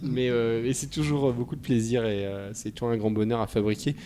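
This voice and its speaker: A man hosting a podcast in relaxed, casual chat. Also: mid-range voice, brisk, a little hiss or hum. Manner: relaxed, chatty, wraps up the show. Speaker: podcast host.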